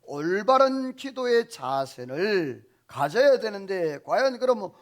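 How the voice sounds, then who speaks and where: Male pastor, high voice, preaching sermon with call-and-response questions to the pews. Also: big pitch swings, takes it slowly. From South Korea. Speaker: senior pastor.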